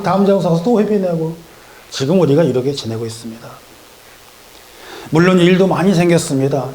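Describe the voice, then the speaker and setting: A middle-aged man with a fairly high voice preaches to his congregation. He tells a story by acting out its characters' lines in different voices, then turns it into his sermon. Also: darkish tone. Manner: storytelling with acted dialogue voices. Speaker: pastor. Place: church sanctuary.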